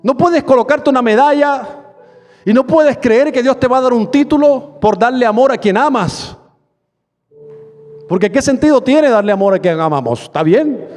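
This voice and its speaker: A male pastor preaching a sermon in a church, moving between quick bursts and slow, drawn-out emphasis, and acting out prayers and the voices of imagined listeners. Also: very high voice, animated, a little mellow, in a large hall, faint music behind.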